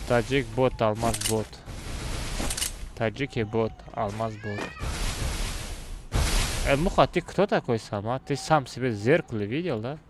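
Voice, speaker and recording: A man's voice: mid-range voice, measured pace, pauses often, noisy background. A young man with a Central Asian accent, a native Tajik speaker, bantering casually on a gaming livestream in a brash, teasing, repetitive way. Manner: brash, teasing, repeats himself. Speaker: game live streamer.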